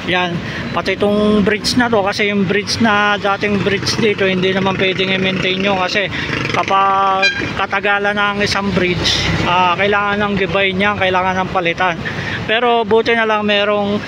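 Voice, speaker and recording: A Filipino man vlogging outdoors on a town bridge, talking in a halting way with many fillers as he slowly reads out local history. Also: high-pitched, level tone. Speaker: vlogger and channel host. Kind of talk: casual history vlog narration. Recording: loud street traffic noise.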